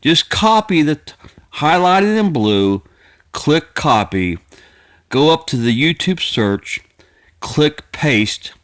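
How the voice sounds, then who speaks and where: Halting, folksy middle-aged man. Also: on the high side, sing-song, a bit bright. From United States. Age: 50s. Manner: repetitive, halting, circling back over phrases; folksy, plainspoken. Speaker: video creator. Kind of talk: casual rambling vlog monologue.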